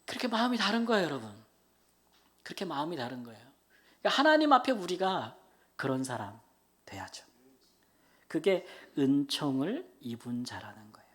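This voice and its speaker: Middle-aged man, pastor, sermon, earnest storytelling, soft asides, sudden loud bursts, church sanctuary. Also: a little high, sing-song, moderate pace, pauses often.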